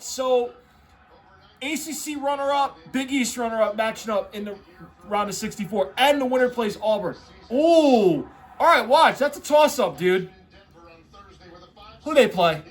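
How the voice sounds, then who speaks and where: Man, very high-pitched voice, lively swooping intonation, excitable frat-bro manner, casual unscripted sports reaction. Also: measured pace. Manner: excitable frat-bro talk, heavy on "bro" and "dude". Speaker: host reacting to a tournament bracket.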